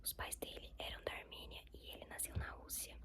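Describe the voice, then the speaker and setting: A young woman with a Brazilian accent, whispering a rambling ASMR chat to her viewers with many fillers. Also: a little fast. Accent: Brazilian Portuguese. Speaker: ASMR creator.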